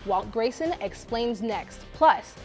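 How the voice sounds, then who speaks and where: A woman's voice: on the high side, animated, slow, faint music behind. A woman reading scripted local news as an anchor at a studio desk.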